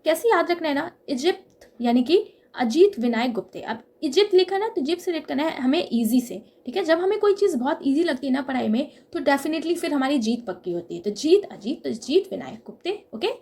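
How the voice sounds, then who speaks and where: A young woman with a high voice teaches an exam-prep lesson built on memory tricks. She explains each trick step by step, checks in often with the listener, and draws out key words to make them stick. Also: darkish tone.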